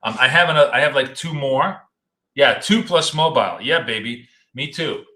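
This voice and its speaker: A man's voice: medium pitch, moderate pace, pushed and bright, reverberant. A man hosting a live trading stream from his home office. He talks in a loose, chatty way, repeats words often, and is losing his voice. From United States. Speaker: trading show host. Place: home office in a city apartment.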